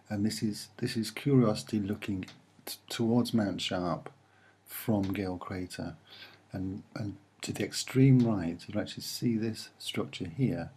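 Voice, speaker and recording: A soft-spoken man with a husky voice, giving a casual, musing and hesitant commentary as he explains what he sees. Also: sits low. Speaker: video narrator.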